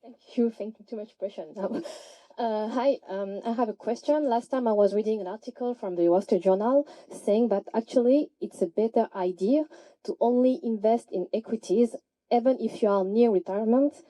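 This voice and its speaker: Very mellow-voiced woman asking a question. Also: a little high, normal speed, poor audio. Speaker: audience member asking a question. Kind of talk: polite spoken question at a conference.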